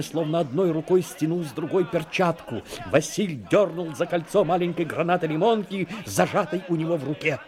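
Male narrator of a dramatic story. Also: medium pitch.

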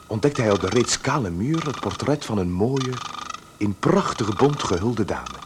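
A man's voice: mid-range voice, noisy background. A man giving dramatic scripted narration for a radio play.

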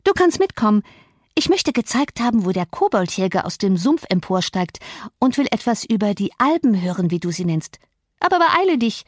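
A woman voicing a spoiled, imperious young girl who is quick to tears, in an audiobook. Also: very animated, no echo, studio quality. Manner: bossy, shrill, indignant.

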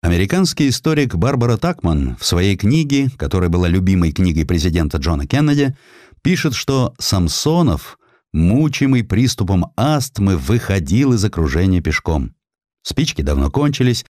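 A man reading a historical narrative as an audiobook narrator, in a measured, deliberate and dramatic way with weighty pauses. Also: on the low side, sing-song, darkish tone, no room sound, clean studio sound.

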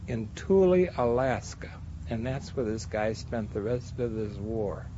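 A man's voice: lowish voice, measured pace. An older American man, a war veteran, reminiscing casually and acting out remembered exchanges as he tells his story. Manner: animated storyteller, acts out remembered dialogue. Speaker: war veteran, former bomber crew member. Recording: dull lo-fi interview recording, faint noise.

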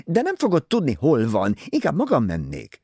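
Man performing an overbearing older society lady in an audiobook: raised, lively pitch, insistent and self-pitying. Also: husky, no room sound, clean studio sound, full character voice. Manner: insistent, complaining.

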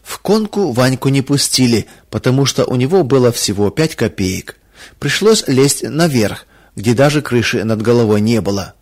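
A man narrating a Christian children's story in a calm, measured way. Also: medium pitch.

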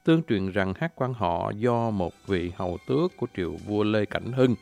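A man giving an informal spoken lecture. He politely addresses his listeners and fills pauses with drawn-out "à" sounds. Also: on the low side, expressive, vocal fry, a little mellow, no echo, soft background music. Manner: frequent drawn-out "à" fillers between phrases. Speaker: presenter explaining folk singing.

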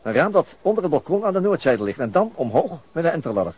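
A man's voice: a little high, big pitch swings, fast, a little mellow, dull audio. Stoic policeman, faint hiss. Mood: resolute. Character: determined, stoic policeman set on acting alone. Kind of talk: Dutch radio drama dialogue.

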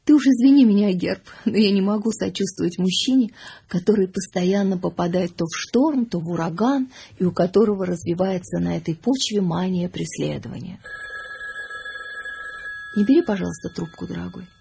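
A sceptical, irritated wife in a radio drama, nagging her husband with open scorn. Her voice is very husky and mellow, with a creaky edge. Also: lowish voice, moderate pace, full character voice. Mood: weary, dismissive. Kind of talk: radio play acting.

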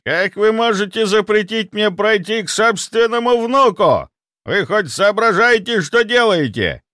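A man voicing a gruff, contemptuous old grandfather who is an apothecary in an audiobook. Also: high voice, expressive, measured pace, bright, forceful tone, no room sound, soft background music, pitched above the performer's own voice, heavily acted. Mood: angry. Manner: gruff, scornful, bossy.

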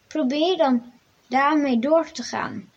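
High-voiced woman reading a Bible story. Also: takes it slowly. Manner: plain read-aloud narration, addressing children directly. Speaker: storyteller and children's Bible teacher. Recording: dull lo-fi recording.

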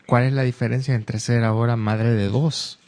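A man's voice: medium pitch, fairly even intonation, normal speed, darkish tone. Joking man in banter. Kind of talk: casual chat.

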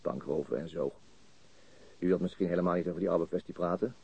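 Low, husky, shrewd police detective. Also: male voice, a little mellow, full character voice. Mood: quietly insistent. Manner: measured, understated, probing. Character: calm, shrewd, methodical male police detective. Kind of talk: Dutch radio crime drama acting. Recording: muffled, dry radio drama recording.

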